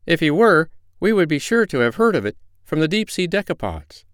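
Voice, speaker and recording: A man's voice: on the high side, sing-song, brisk, clear, resonant tone, no echo, clean studio sound, pitched above the performer's own voice. A man voicing a friendly, gossipy school of porpoises in a storybook, in a raised, eager voice. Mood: chatty, sure.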